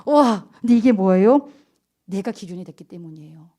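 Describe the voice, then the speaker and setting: A middle-aged woman pastor giving a lively sermon to teenagers, telling stories animatedly and asking the audience frequent questions. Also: mid-range voice, moderate pace. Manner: animated storytelling, acting out scolding quotes, frequent questions to the audience. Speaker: youth pastor.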